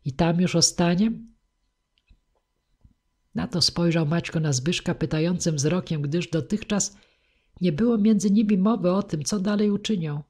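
A woman narrating a classic novel as an audiobook in a measured, expressive reading. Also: fairly low pitch, slightly rough. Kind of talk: scripted narration.

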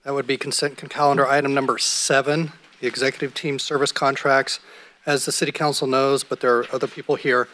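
A middle-aged man gives a city attorney's report in measured legal language. His pitch stays very level and even throughout, and he speaks into a desk microphone on the council dais. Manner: measured, formal legal phrasing.

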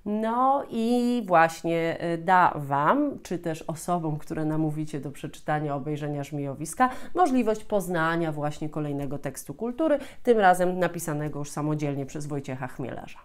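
Lower-pitched woman explaining to camera. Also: animated, moderate pace, hardly any pauses, smooth. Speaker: host, Polish language teacher. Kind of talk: explanatory talk to camera for teachers. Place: small furnished room at home, indoors.

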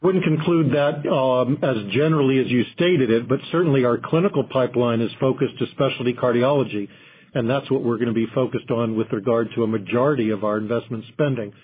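A man speaking as a company executive on an investor call, giving measured, carefully qualified corporate answers. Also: medium pitch, slightly rough. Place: conference call. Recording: muffled narrow phone line.

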